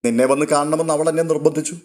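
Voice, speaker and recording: A man's voice: on the high side, fairly even intonation, fast talker, a little mellow, lightly acted. A man reading a story aloud and voicing a friendly young man who teases and nudges a younger girl. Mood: teasing. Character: friendly young man, teasing older cousin.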